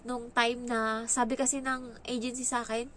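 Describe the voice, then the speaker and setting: A woman's voice: fairly high pitch, level tone, normal speed, fairly bright tone, a little hiss or hum. A young woman with a Filipino accent telling a story in casual vlog chat. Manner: chatty, acts out quoted lines in a raised voice. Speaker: vlogger.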